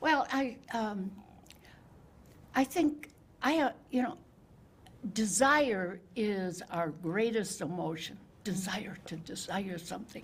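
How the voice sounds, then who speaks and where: A woman's medium-pitched, somewhat breathy voice with lively intonation, a very slow pace and long, frequent pauses. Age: 80s+. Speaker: author and motivational speaker. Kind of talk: casual chat.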